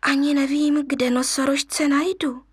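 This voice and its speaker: A woman's voice: high-pitched, little pitch movement, dry recording, studio quality, voice pushed up, natural voice. A woman voicing an eager little male lion cub who coaxes and pleads. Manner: wheedling, pleading.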